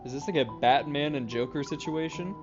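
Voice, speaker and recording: A man streaming a game, reading its text aloud and adding excitable, jokey commentary. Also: fairly high pitch. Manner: jokey, excitable, quick asides. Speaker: gaming streamer. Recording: muffled, game music behind.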